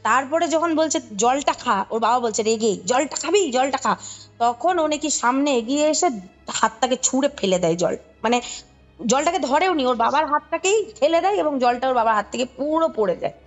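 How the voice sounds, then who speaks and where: On a podcast, a woman with a Kolkata Bengali accent tells a ghost story in a high-pitched, animated voice at normal speed. She explains as she goes and keeps checking in with the listener, with faint music behind her.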